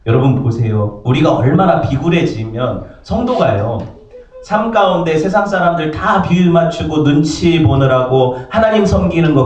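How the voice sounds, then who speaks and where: Preaching energetically to his congregation, a pastor asks them questions such as "그죠?" and gives quoted characters their own voices as he tells stories in the church sanctuary. His voice is on the high side. The audio is dull with slight background noise, recorded from a distance in an echoey hall.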